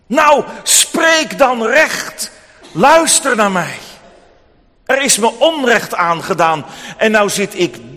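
A man voicing a desperate, pleading poor widow in a told story, his voice pushed high and insistent. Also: full character voice. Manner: pleading, rising to shouting. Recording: long hall reverb.

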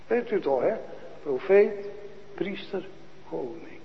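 A man preaching a sermon to a congregation, asking questions and answering them, dropping to a hush and then rising to loud proclaiming. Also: fairly high pitch, very animated, creaky, in a large hall, muffled recording, a little hiss or hum. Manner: slow, questioning, swings from hushed to loud proclaiming. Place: church.

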